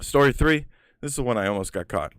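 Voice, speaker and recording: A man's voice: medium pitch, lively intonation, brisk, smooth, no room sound, clean studio sound. A man casually telling personal stories in a rambling, profane way, full of filler words. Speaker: storyteller.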